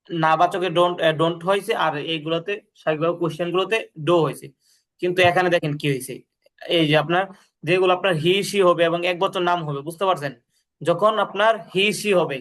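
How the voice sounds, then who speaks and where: In a grammar lesson, a man with a high-pitched, somewhat bright voice patiently drills English with his student. He reads each sentence slowly, offers the translation, and checks comprehension as he goes.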